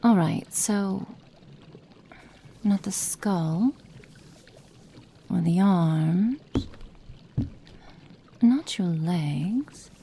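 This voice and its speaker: A woman's voice: lowish voice, animated, very slow, pauses often, warm tone, slight background noise, exaggerated voice. A woman voicing a stern, impatient witch in an ASMR roleplay, giving curt commands and muttering whispered notes. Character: stern, impatient adult female witch experimenter. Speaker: roleplay performer.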